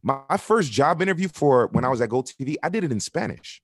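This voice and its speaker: A man from Miami who works as a soccer broadcaster, talking frankly on a podcast and pressing his points by repeating them. His voice sits at an ordinary middle pitch. The recording is dry, with no room sound. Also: animated, fast talker, slightly rough, no echo. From Miami, United States. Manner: candid and earnest, builds points with repetition. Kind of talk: podcast interview.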